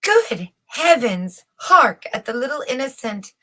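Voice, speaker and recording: A woman voicing astonished, excitable townsfolk in a storybook, gasping out a scandalous remark. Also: a little high, measured pace, voice pushed up, exaggerated voice. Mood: shocked. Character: astonished townsfolk and father passing on a child's blunt remark.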